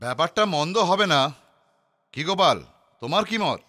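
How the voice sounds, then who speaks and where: A man's voice: fairly high pitch, expressive, moderate pace, pushed and bright. A man voicing a benevolent, indulgent maharaja in a cartoon, with a stately, considerate manner. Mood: agreeable, inquiring. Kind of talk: cartoon voice acting.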